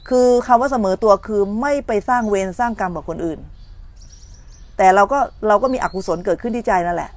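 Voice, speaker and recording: A middle-aged woman meditation teacher giving a morning dharma talk, telling stories and checking that her listeners follow. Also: medium pitch. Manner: storytelling, acts out complaining voices, checks listeners understand.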